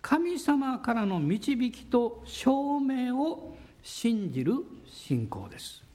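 A man pastor preaching a sermon in a church, with drawn-out pauses and a voice that sometimes drops to a near whisper. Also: extremely high pitch, big pitch swings, warm tone.

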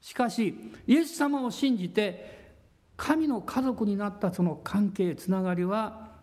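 A man pastor preaching a sermon in a church, with drawn-out pauses and a voice that sometimes drops to a near whisper. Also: high voice, darkish tone.

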